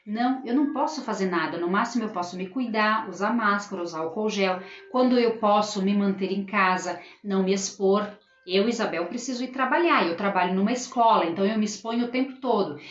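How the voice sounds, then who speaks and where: A woman's voice: mid-range voice, brisk, few pauses, reverberant, muffled recording. Earnest woman hosting a home live stream. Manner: earnest, addresses viewers and reads their comments aloud. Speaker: live stream host, school teacher. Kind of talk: casual live stream talk to viewers.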